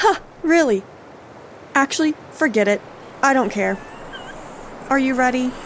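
With lively intonation and long, frequent pauses, the speech moves at a moderate pace amid noticeable background noise. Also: woman, high pitch for a woman. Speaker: actress playing a young woman. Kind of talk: dramatic dialogue in audio fiction. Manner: cold, threatening, controlled.

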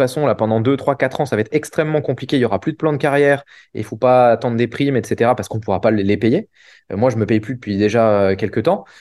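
A man with a medium-pitched voice talks at a very fast pace with lively intonation over a quiet background. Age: 30s. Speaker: tech company founder. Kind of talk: interview testimony.

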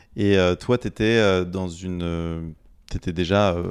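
With fairly even intonation, this man's voice is very deep and low. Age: 30s. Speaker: podcast guest, longtime friend of host. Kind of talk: casual chat.

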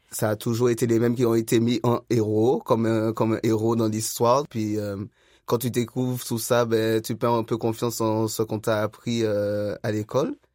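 In a Martinican accent, a man at medium pitch speaks in a monotone, flat intonation at a moderate pace, on a very clean recording with a silent background. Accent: Martinican French accent, kept. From Martinique. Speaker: youth participant. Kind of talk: casual conversation.

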